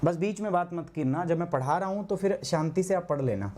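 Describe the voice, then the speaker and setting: A hoarse man teaching a live online geography class, asking his students questions and answering them himself, with English terms mixed in. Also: high-pitched, expressive, brisk, darkish tone. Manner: clears his throat often.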